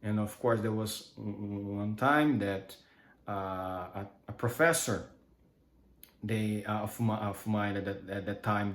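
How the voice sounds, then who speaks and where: A man's voice: lowish voice, echoey room. A man from Brazil, a native Portuguese speaker with a countryside São Paulo accent, talks in a casual monologue full of hesitant restarts. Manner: hesitant, many restarts and fillers. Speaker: vlogger.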